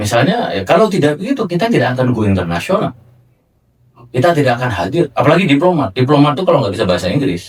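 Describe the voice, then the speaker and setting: With a Madurese accent, a man talks at a very fast pace in a fairly high pitch. His pitch swings very widely, and vocal fry is present. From Madura, Sumenep (East Java, Indonesia). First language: Madurese (speaking Indonesian). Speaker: ambassador and party politician. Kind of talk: interview.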